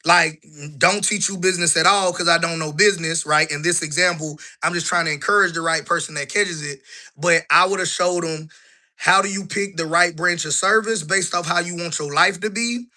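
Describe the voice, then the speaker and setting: A man's voice: on the high side, normal speed. A man in his thirties talking casually while walking through his office building, asking "right?" a lot, a bit out of breath. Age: 30s. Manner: conversational, asks rhetorical "right?" often; colloquial, relaxed grammar. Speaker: business vlogger.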